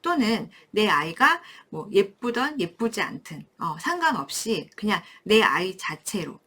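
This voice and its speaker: A woman giving a parenting lecture to camera, explaining things warmly and acting out short quotes from parents and children. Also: medium pitch. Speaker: parenting educator. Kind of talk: talking-head parenting lecture.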